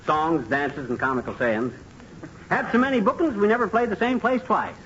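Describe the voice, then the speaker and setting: An actor playing a bragging, wisecracking husband in a 1940s radio comedy, on an old broadcast recording. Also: male voice, high-pitched, animated, moderate pace, dull audio, background noise. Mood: boastful. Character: Fibber McGee, a boastful husband.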